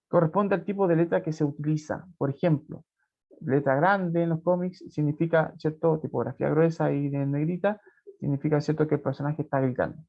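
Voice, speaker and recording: A man's voice: fairly high pitch, creaky. A man teaching an online class, explaining step by step and often checking in with his students. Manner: explanatory, constantly checks in with "¿cierto?". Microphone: computer mic on a video call. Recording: dull lo-fi video call audio.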